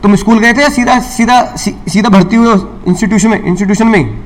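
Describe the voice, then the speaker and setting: A man's voice: high-pitched, quick pace. A man teaching law to a class. He asks questions and answers them himself, repeats key lines and slips English legal terms into his Hindi. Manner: scolds and teases students. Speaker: law lecturer. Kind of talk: classroom lecture.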